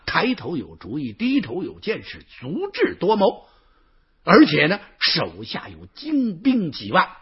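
A man's voice: sits high, slightly rough, full character voice. A man playing an earnest chieftain ally. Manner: pleading, explaining earnestly. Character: allied chieftain, earnest and persuasive. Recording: dull lo-fi recording.

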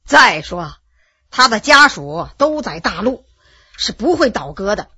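Shrewd elderly official, quiet lowered voice, measured advice, a woman acting him in a storybook reading with a husky edge. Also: sing-song, no room sound, studio quality, full character voice. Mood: reflective. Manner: measured, advising. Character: elderly stroke-stricken Qing official, shrewd and frank.

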